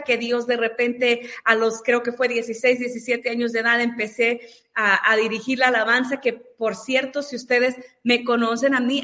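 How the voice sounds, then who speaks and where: A woman's voice: on the high side, a bit bright. A woman from El Salvador, a worship leader and singer, telling her story in a casual interview over a video call, with many fillers.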